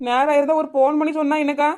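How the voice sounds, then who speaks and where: A woman's voice: high-pitched, level tone, lightly acted. A woman playing a young village wife who banters sharply with her neighbours and feels let down by her husband. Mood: hurt. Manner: quick, sharp-tongued teasing, then wounded. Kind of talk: village family drama acting.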